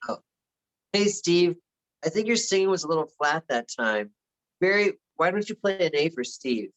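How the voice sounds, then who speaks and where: A man's voice: on the high side, animated, normal speed, a bit bright. A man playing a nerdy, bossy teenage boy who leads a band, in a table read of a film script. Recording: dull lo-fi call audio.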